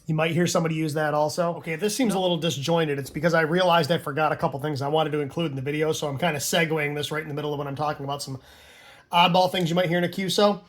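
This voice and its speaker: A man with a distinctly high-set voice walks through an instructional explanation. His delivery is casual and conversational, like a hobbyist teaching informally, with loose asides along the way. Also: steady tone, very fast. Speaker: amateur radio instructor and operator.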